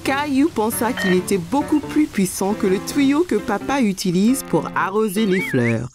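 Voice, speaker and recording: A woman narrating a French-dubbed children's cartoon like a simple, expressive story for small kids. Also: mid-range voice, unhurried, over music.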